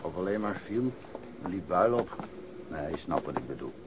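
Very deep, callous beat cop. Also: male voice, expressive, normal speed, background noise. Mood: sly, matter-of-fact. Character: coarse, callous, conniving male street policeman. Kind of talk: radio drama dialogue.

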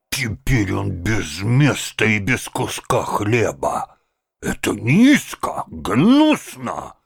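A man voicing a blustering, loud-mouthed middle-aged bully who shouts and rants. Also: fairly high pitch, creaky, no echo, studio quality, pitched above the performer's own voice, exaggerated voice. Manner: shouting, ranting.

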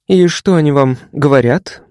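A man's voice: a little high, normal speed, darkish tone, no room sound, studio quality, pitched above the performer's own voice, natural voice. A man voicing a polite, curious young woman psychiatrist who asks careful questions.

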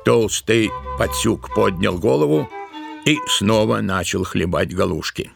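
Guy reading a story, kinda creaky voice, expressive and measured, faint music behind. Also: fairly low pitch. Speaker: narrator. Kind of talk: scripted storybook narration.

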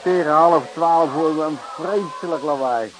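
An actor playing a curious, excitable gossip telling of a rowdy evening in a Dutch radio drama. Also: male voice, a little high, normal speed, over loud music, natural voice. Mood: amused. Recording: noisy old radio play recording.

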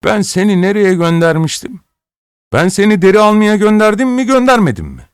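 Guy playing a cranky bald old master yelling at his kid apprentice, pitch jumps way up, storybook. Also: big pitch swings, a little fast, clear, resonant tone, no room sound, clean studio sound. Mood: angry. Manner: scolding, shouting. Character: bald, gruff bookbinder master, scolding.

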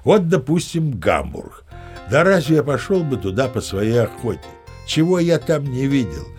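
Brief: an old captain spinning tall tales, mid-range chatty voice, soft music behind. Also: male voice, medium pitch, big pitch swings, normal speed. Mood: storytelling. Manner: chatty, confiding, old-fashioned courtesy. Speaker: narrator. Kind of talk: audio play narration.

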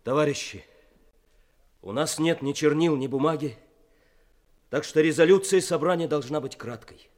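An actor playing a firm, fervent Red Army political officer in a Soviet radio drama, with an orator's delivery. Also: male voice, on the high side, normal speed, pauses often, close to an everyday voice. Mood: rousing.

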